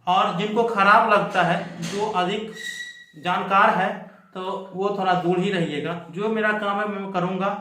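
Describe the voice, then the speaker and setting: Guy hosting student updates, pretty high voice, echoey room, keeps stressing his points. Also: fairly even intonation, measured pace, pushed and bright. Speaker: host of a student news channel. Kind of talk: explanatory update to viewers.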